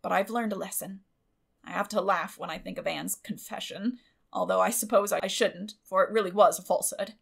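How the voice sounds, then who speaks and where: Woman acting a stern older storybook spinster, brisk, plain-spoken, firm, creaky. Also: medium pitch, steady tone. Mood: candid. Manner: brisk, firm, matter-of-fact.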